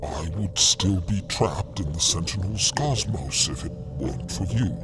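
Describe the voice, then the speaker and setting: Slow, halting man voicing a weary, gentle alien. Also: sits low, expressive. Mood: apologetic, earnest. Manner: halting, courteous, apologetic. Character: gentle, apologetic, exhausted male arthropod alien crewmate. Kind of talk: audio fiction podcast acting.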